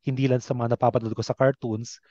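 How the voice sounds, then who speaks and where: A man with a Filipino accent hosting a casual interview, earnest and a little halting as he forms his thoughts. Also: mid-range voice, level tone, mellow, no room sound, dull audio. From Philippines. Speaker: interview host. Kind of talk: casual conversational interview, mixing two languages.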